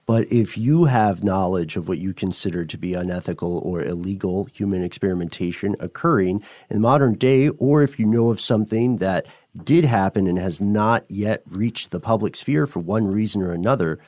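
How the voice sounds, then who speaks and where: A man's voice: sits low, a little mellow, no room sound. A man co-hosting a podcast in a conversational way, talking with a guest and addressing listeners. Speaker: podcast co-host. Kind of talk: conversational interview and show sign-off.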